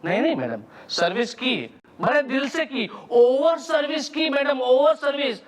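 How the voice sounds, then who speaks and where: A man's voice: extremely high pitch, lively intonation, unhurried. An actor playing a whiny young man in his twenties who pleads a long comic complaint at a police station. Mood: pleading.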